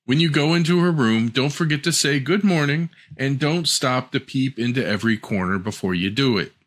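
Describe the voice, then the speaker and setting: A man's voice: mid-range voice, moderate pace, a bit bright, pitched above the performer's own voice, close to an everyday voice. A man voicing a caring, firm mother who gives instructions in a storybook reading.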